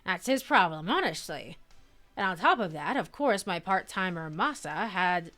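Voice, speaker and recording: A woman voicing a chatty older noodle-shop proprietress in a put-on grandma voice, slow and fussy. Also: fairly low pitch, big pitch swings, pushed and bright, soft background music.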